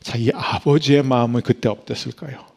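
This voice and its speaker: A middle-aged male pastor preaching a sermon, swinging from hushed whispers to loud, emphatic bursts. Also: mid-range voice, fairly even intonation, brisk, vocal fry.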